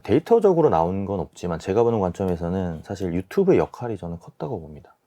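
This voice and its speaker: Guy in his 40s, deep mellow voice, expert guest explaining stuff carefully on a radio interview. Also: sing-song, fast. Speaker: guest, small-business expert and YouTuber. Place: radio studio.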